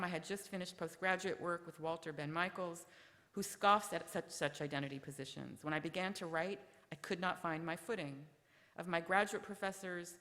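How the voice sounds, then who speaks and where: A woman giving measured prepared remarks at a memorial session, reading from her text. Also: lowish voice, fairly bright tone. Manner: measured, ends with a told joke. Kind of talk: prepared remarks read aloud. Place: lecture hall. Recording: lecture hall reverb.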